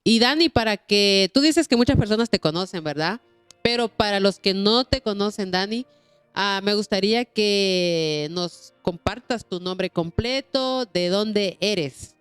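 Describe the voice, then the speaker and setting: A woman's voice: medium pitch, lively intonation, unhurried, clean tone, no room sound, faint music behind. A woman hosting a Christian programme, speaking in a courteous, devout, repetitive way. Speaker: host of a Christian testimony programme. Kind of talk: warm religious interview talk.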